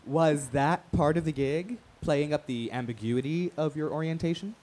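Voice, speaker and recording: An actor playing a flamboyant gay radio talk show host in a radio play, campy and teasing, with drawn-out emphasis. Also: male voice, on the high side, darkish tone, natural voice. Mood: probing, sly.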